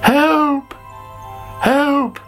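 A storyteller voicing a cheeky, greedy young male caterpillar in a high, whiny voice. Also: sing-song, measured pace, vocal fry, soft background music. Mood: panicked. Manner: high, whiny and shrill when upset.

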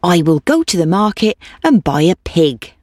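A woman's voice: on the low side, sing-song, normal speed, a little mellow, no echo, clean studio sound. A woman voicing a fretful old woman who repeats her sing-song pleas. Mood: pleading. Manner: repetitive, sing-song pleading.

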